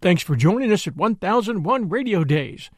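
A man's voice: sits high, big pitch swings, normal speed, loud music behind the voice. A man hosting a podcast, addressing his listeners directly. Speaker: podcast host.

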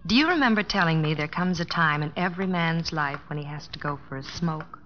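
A woman's voice: low-pitched, expressive, fairly quick, a little hiss or hum. An American woman acting a devoted, practical young wife in a vintage radio drama. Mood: teasing, tender. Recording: dull old radio recording with music.

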